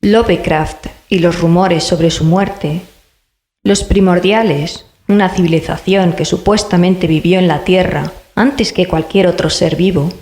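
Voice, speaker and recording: A woman's voice: on the low side, fairly even intonation, a little slow, a little mellow, roomy sound, lightly acted. A woman with a Spain Spanish accent playing a pensive young researcher of occult mysteries in a scripted audio drama monologue. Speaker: character narrator in an audio drama.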